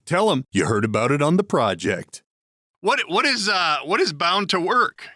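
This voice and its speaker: Animated male podcast host. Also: on the high side, normal speed, no echo, clean studio sound. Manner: joking, teasing. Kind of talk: casual interview banter and ad reads.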